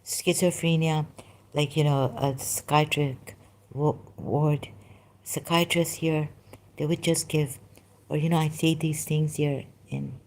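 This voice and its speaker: Low, slow, halting woman. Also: steady tone. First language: Khoja Sindhi. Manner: halting and soft, drifting between thoughts. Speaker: vlogger. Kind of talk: personal spoken monologue. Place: home, resting.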